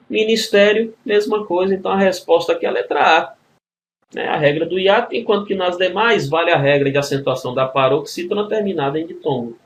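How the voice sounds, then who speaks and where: A male grammar teacher with a Brazilian Portuguese accent, voice sitting a little high, explaining exam questions step by step. He keeps checking in with his students as a group while he works through each rule. A faint hiss of noise sits behind him. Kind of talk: recorded exam-prep video lesson.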